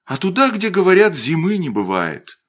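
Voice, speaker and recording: A man voicing a bold, steady village boy who speaks in a measured, deliberate way. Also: high voice, voice pushed up, exaggerated voice. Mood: calm, grave. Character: bold, steady peasant boy, calm and fatalistic.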